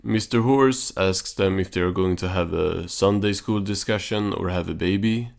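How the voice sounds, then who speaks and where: Male recap narrator, low register, casual and understated, dry commentary delivery. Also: moderate pace, gravelly. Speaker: video reviewer and narrator.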